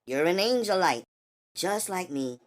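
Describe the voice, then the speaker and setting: A man voicing a calm, knowing angelic woman. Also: measured pace. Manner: calm, knowing, low-key. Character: weary mysterious woman with angelic powers. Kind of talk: audiobook character voice.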